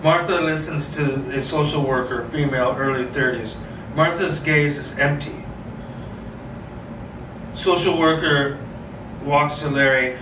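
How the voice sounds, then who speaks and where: Slow-talking man in a roomy, noisy recording. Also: a little high, fairly even intonation. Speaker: solo script reader and host. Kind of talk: screenplay narration and rambling casual chat. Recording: roomy, distant mic, clearly noisy.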